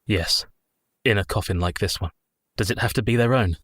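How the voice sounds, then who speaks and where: Man voicing a grim young solicitor, terse, very deep, dry sound. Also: moderate pace, a bit bright, no room sound. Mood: somber. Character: Jonathan Harker, grim young male solicitor.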